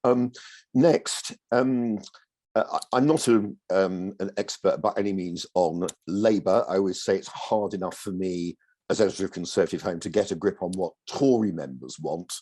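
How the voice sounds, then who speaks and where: A hoarse man who is losing his voice, giving modest opening remarks as a panel speaker over a video call. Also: low-pitched, normal speed, dark tone.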